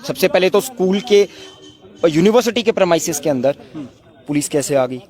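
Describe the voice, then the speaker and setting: Man, high-pitched, emphatic, indignant, impassioned protest statement, rhetorical questions. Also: animated, moderate pace, darkish tone, soft background music. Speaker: protest spokesman.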